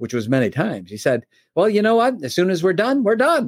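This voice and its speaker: The speech, in an American accent, runs at a very fast pace with very wide pitch swings. The sound is dry and close, with no echo. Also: man. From US Midwest, Chicago. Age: 60s. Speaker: business consultant and author. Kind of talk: interview storytelling.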